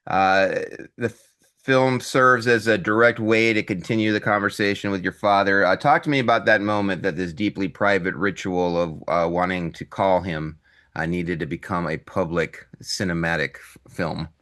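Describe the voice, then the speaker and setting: Male host reading his interview questions, a crisp, forceful voice sitting somewhat low. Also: steady tone, normal speed. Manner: reads prepared questions, with frequent "uh".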